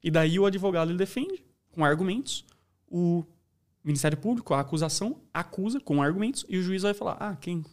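A man talking in a casual podcast chat, an animated storyteller who says "né" and "daí" a lot. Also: high voice, brisk. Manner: animated storyteller, acts out voices.

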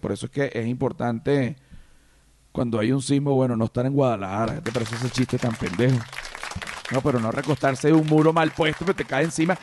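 A man's voice: medium pitch, a little hiss or hum. A man hosting a podcast, telling a rambling comic story and swearing casually. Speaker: podcast host. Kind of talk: comic monologue.

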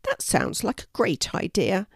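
A polite, remorseful male blackbird, as a woman reading aloud puts him on. His voice lifts a bit above her own and moves in a lively way, close and dry. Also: mid-range voice, unhurried, vocal fry, husky, dry recording, exaggerated voice. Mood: grateful. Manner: apologetic, earnest storybook voice.

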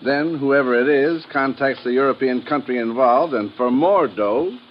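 An actor in a 1950s radio drama playing a matter-of-fact legation official who explains things earnestly. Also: male voice, medium pitch, moderate pace, lightly acted. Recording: dull, noisy old radio recording.

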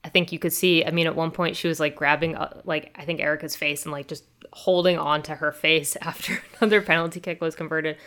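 A woman's voice: low voice, fairly even intonation, a little fast, few pauses, fairly bright tone. A woman hosting a casual sports podcast, chatty and thinking aloud with fillers as she recaps matches. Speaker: soccer podcast host.

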